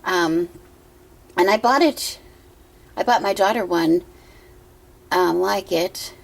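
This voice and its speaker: A middle-aged woman with a hoarse voice from a cough, talking at home in a casual show-and-tell vlog, gentle and meandering with many ums and pauses. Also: fairly low pitch, low-quality recording. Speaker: pagan altar vlogger. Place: indoor room at home with a water feature. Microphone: camera she handles herself.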